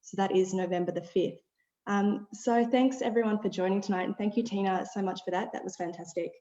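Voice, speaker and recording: A woman's voice: mid-range voice, fairly even intonation, fairly quick, mellow, reverberant, highs cut off. A woman hosting a webinar, upbeat, reading out audience questions and wrapping up. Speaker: webinar host.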